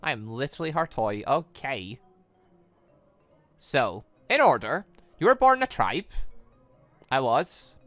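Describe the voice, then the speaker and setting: A man reading a visual novel aloud and commenting off the cuff, often stumbling and correcting himself as he rambles excitably. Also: mid-range voice, measured pace, pauses often, no room sound, soft background music. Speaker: gaming channel host.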